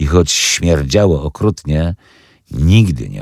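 A very slow pace in a very clean recording with a silent background. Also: man. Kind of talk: dramatic audiobook narration of a eerie rural tale.

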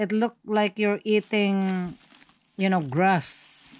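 Here a woman speaks at a very slow pace. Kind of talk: casual vlog chat. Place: home room. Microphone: phone near.

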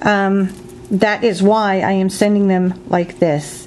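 A woman talks at a very slow pace, with noticeable background noise behind her. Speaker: seller of wedding gown appliques. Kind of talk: sales pitch. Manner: halting, stumbling over words; casual, chatty. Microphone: webcam.

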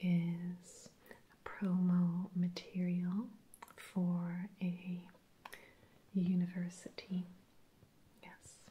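A woman speaks at a very slow pace with long, frequent pauses, in a monotone with flat intonation. Her voice is fairly low in pitch, somewhat breathy, and dark and mellow in tone. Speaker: presenter. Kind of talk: soft-spoken ASMR-style explanation. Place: home room.

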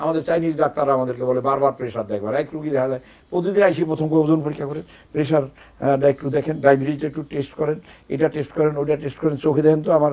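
His voice is dark and mellow, fairly high for a man, with fairly even intonation. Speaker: herbal medicine practitioner. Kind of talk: TV health talk show discussion.

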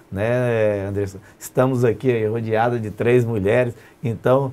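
At a fairly slow pace, a man with a dark, mellow tone keeps his intonation fairly even. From Mato Grosso, Brazil (Várzea Grande); Mato Grosso, Brazil. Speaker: state politician; interviewee. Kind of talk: interview. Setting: studio. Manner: halting, many fillers. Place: studio. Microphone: lapel.

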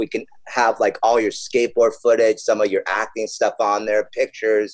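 Against a quiet background, a man speaks at a moderate pace in a dry sound with no echo. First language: Spanish. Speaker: actor and former pro skateboarder. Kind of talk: casual chat. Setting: video call. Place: home room. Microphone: webcam.

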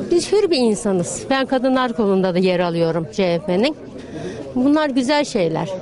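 A woman with a fairly high pitch and very wide pitch swings speaks at a fairly slow pace and very even loudness, her dry sound carrying no echo over noticeable background noise. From Hançalar, Çal, Denizli, Turkey; Turkey. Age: 60s. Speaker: poet and housewife; poet. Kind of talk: vox pop interview; interview answer. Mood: proud, earnest. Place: street.

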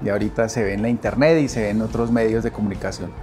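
A man speaks with faint music in the background. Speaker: voice actor. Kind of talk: casual talk to camera. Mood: warm, fond. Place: office.

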